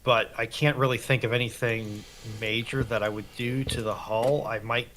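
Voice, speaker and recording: A man's voice: medium pitch, steady tone, normal speed, fairly bright tone, slight background noise. A man speaking as a panelist in a casual, geeky debate.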